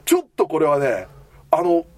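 A man's voice: on the high side, normal speed, a crowd in the background. A man hosting a casual anime chat, telling stories and acting out the lines of the people in them. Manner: animated storyteller acting out quoted lines. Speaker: podcast host.

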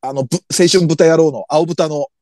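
A man's voice: a little high, moderate pace, no echo, studio quality. A man co-hosting a comedy podcast, chatting casually about anime characters in a chatty way, full of fillers. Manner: animated, chatty, hedging with fillers.

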